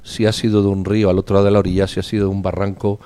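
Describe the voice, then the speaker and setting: Entrevistador enfático, de tono que sube. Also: male voice, deep voice, little pitch movement, racing, dark tone, clear, resonant tone. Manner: rising, emphatic, rhetorical. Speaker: interview co-host. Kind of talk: asking a long reflective question.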